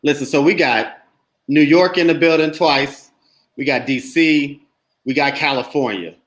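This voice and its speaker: A man's voice: fairly high pitch, unhurried, reverberant. A man from Indianapolis hosting a podcast, talking in a casual, emphatic and outspoken way. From Indianapolis, USA. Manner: emphatic, animated, speaks his mind. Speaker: podcast host.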